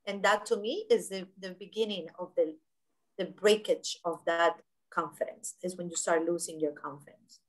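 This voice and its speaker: A woman's voice: lowish voice, normal speed, poor audio. A woman in her thirties speaking emphatically on a video call panel from a home office, with frequent fillers and restarts. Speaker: webinar panelist. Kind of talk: conversational panel discussion. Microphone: laptop webcam video call.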